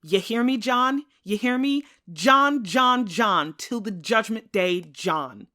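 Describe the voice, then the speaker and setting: Defiant wounded guy yelling the same name again and again, gets really loud, woman reading it out. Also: on the high side, lively intonation, takes it slowly, pitched above the performer's own voice, full character voice. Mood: defiant, anguished. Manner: builds to loud, pleading repetition. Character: wounded man, defiant and furious, in a read-aloud novel scene.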